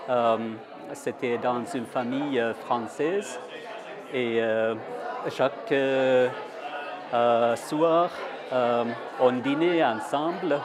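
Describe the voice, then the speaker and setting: Guy talking slow, lots of uhs, crowd noise behind. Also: medium pitch. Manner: halting, many hesitations. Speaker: alumnus. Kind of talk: recounting a memory.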